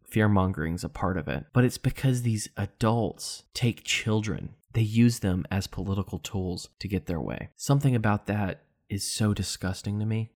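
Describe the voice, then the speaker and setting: A man's voice: fairly low pitch, a little mellow. A young man hosting a solo commentary podcast, talking in a sarcastic, emphatic, ranting way. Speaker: podcast host.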